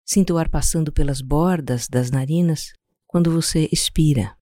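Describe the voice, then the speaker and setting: A Brazilian-accented speaker guiding a meditation in a calm, soothing, unhurried way, leaving pauses between instructions. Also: mid-range voice, no echo. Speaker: podcast host guiding a meditation. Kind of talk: slow guided meditation narration.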